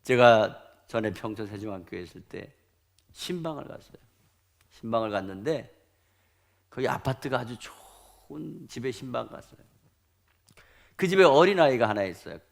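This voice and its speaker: A middle-aged male pastor preaching a sermon, telling stories in an animated way that swings between loud outbursts and quiet asides. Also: medium pitch, moderate pace, gravelly, pauses often.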